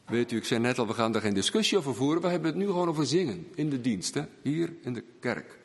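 A man preaching a sermon in a church, swinging between raised emphasis and hushed, low phrases. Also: big pitch swings, fast talker. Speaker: pastor. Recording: long church reverb.

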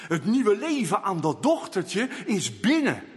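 A man preaching a sermon in slow, emphatic delivery, now and then rising to loud calls. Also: high-pitched, huge pitch swings, husky, in a large hall.

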